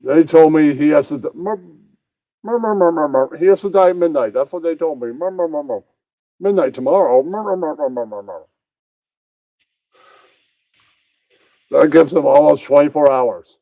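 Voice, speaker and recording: A man's voice: fairly high pitch, expressive, brisk, dry recording. A man voicing a crude, blunt puppet who pads his speech with repeated nonsense syllables in improvised adult comedy. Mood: matter-of-fact. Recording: dull, muffled lo-fi sound.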